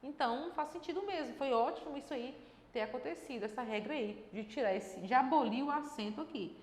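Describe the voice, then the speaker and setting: A woman with a fairly high voice walks through a grammar lesson, explaining each rule step by step and often pausing to check in with her listeners. Her throat is a little dry. The room is echoey, with a long reverb trailing her words. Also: a little mellow. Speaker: Portuguese grammar teacher. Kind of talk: exam-prep grammar lesson.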